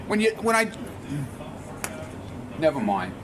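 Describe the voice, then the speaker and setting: High voiced dude, noisy bg, blunt and irritable, repeats himself, casual sweary talk. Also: male voice, huge pitch swings, takes it slowly. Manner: combative, repetitive, irritated, blunt. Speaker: radio show staff member being interviewed. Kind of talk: casual, profane interview talk. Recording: noisy on-location interview sound.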